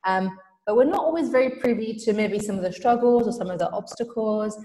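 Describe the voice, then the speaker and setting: A woman's voice: mid-range voice, fairly quick, dark tone, soft background music. A woman presenter interviewing a guest over a video call, encouraging and brief in her reactions. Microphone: earphone mic on a video call. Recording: echoey roomy video-call sound.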